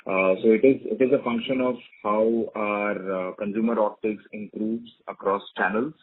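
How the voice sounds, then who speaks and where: Low-voiced man on a phone line. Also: steady tone, normal speed, slightly rough. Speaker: company executive. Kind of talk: earnings call answers. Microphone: conference call phone line. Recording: narrow phone-like conference line.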